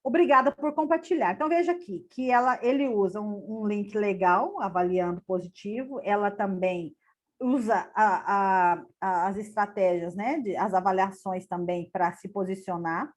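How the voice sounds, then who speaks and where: A woman giving an academic lecture over a video call, halting and repeating words often as she explains. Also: medium pitch. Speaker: conference lecturer.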